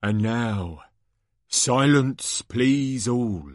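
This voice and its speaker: A man voicing a bombastic sports announcer from a storybook, a booming showman with drawn-out theatrical calls. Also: animated, no room sound, clean studio sound. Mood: showy, grandiose. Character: bombastic male sports announcer hyping a tournament.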